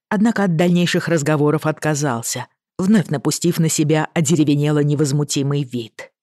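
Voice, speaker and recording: An audiobook narrator reading a novel in a steady, even storytelling manner. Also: medium pitch, dry recording, clean studio sound. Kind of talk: scripted narration.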